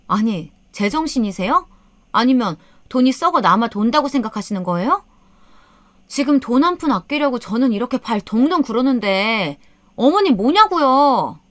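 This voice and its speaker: A woman voicing a sharp-tongued young daughter-in-law who snaps and nags with contempt, in a storytelling recording. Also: a little high, big pitch swings, moderate pace, dry recording, pitched above the performer's own voice. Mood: scolding. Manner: snapping, nagging, contemptuous.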